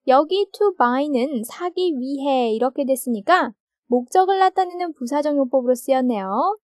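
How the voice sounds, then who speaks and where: A woman with a Korean accent teaching English grammar in a recorded video lecture, reading example sentences carefully and ending her explanations with gentle rising questions. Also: high voice, no room sound, studio quality.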